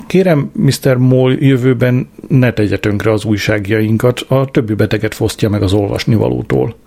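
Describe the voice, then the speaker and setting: A man's voice: medium pitch, gravelly, dark tone. A man voicing a fussy, stern female receptionist who talks in a prim, scolding way.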